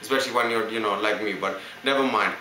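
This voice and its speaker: Brief: a man doing an animated Indian guy, bright, roomy echo. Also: fairly low pitch, fast, a little hiss or hum, voice pushed down.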